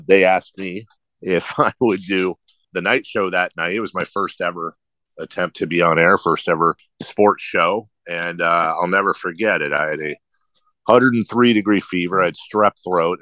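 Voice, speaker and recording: A man's voice: low voice, a bit bright, no room sound. A middle-aged man who hosts sports radio, with a slight lisp and a nasal, droning voice, answering interview questions in a rambling, self-deprecating way.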